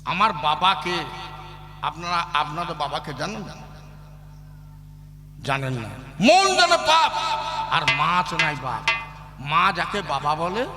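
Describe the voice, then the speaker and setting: A man's voice: on the high side, bright, forceful tone, slight background noise. A man performing kobigaan, a folk poet-singer who moves between sung verses and spoken argument, putting questions straight to the audience. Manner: declaiming, swinging between sung lines and argument to the crowd. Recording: echoey hall, music behind.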